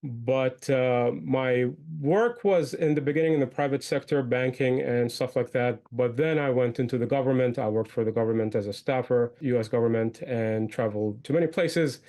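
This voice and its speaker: A man's voice: mid-range voice, moderate pace, few pauses, mellow. A man with a mid-range voice answers as an interview guest. He talks conversationally and lays things out step by step. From born in Iraq, moved young to the United States. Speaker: guest, entrepreneur and podcaster.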